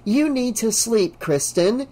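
A narrator playing a controlling middle-aged mother in an audiobook reading. She is firm and clipped, set a little higher than the reader's plain voice. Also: expressive, slow, warm tone. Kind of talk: audiobook character voice.

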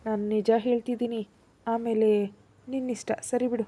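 A playful young man who teases and talks breezily, as a woman storyteller puts him on. The voice is dark and mellow with a husky touch. He is a storybook character read aloud. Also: fairly high pitch, little pitch movement, moderate pace. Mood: teasing. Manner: teasing, breezy.

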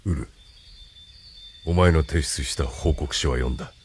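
Scheming military chief, radio play, deep and commanding. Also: male voice, a little slow, slightly rough, full character voice. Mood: measured. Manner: commanding, calm and musing. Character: cunning male military leader, coolly commanding. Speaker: leader of the secret police. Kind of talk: radio drama acting.

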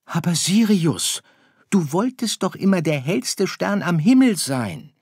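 A man voicing a caring, worried mother star who coaxes softly in an audiobook. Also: mid-range voice, big pitch swings, measured pace, husky, no echo, clean studio sound, pitched above the performer's own voice. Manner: soft, coaxing. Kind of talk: audiobook character voice.

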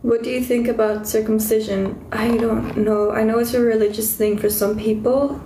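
A woman's voice: on the high side, level tone, moderate pace, warm tone, roomy sound, slight background noise, poor audio. A young woman with a stuffy nose and a fading voice, chatting casually with viewers of her livestream from her bedroom, easily distracted. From South Africa. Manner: chatty, easily distracted, squeals at cute things. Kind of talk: casual live chat with viewers. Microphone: phone held close.

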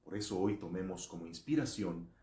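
A man in his thirties with a Mexican accent, a priest giving a motivational religious talk with animated, emphatic storytelling and rhetorical questions. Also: low-pitched, fairly quick. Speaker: Catholic priest. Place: small indoor room. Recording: echoey room.

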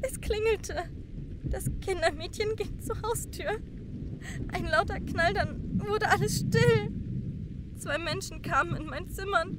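Very high-voiced, haunted young woman. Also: a little slow. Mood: haunted, remembering. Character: frightened young kidnapped woman recovering childhood memories. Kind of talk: German crime audio drama acting. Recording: noisy train ambience behind voice.

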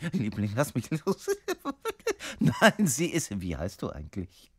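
A man playing an amorous, distracted lover in a comic answering machine sketch, halting and giggly. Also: medium pitch, wildly swooping pitch, breathy edge, no echo, exaggerated voice.

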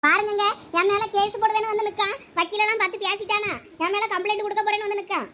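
A woman playing a defensive, sharp-tongued elder sister in a village comedy skit, speaking with a Thoothukudi Tamil accent and quick retorts. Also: extremely high pitch, level tone, a little hiss or hum. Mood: aggrieved.

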